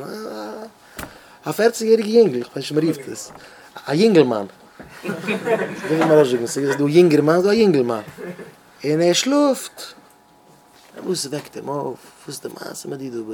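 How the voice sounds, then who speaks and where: A rabbi giving a Yiddish sermon with a Hasidic Yiddish accent. He tells stories in an excitable, animated way, stumbling over many restarts. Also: mid-range voice, a little hiss or hum.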